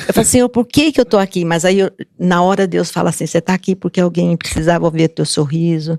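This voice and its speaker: A woman with a Brazilian accent, fairly low in pitch, fairly quick, with ordinary pitch variation and a dry, close sound with no echo. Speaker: church elder, volunteer. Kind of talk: podcast interview, testimony.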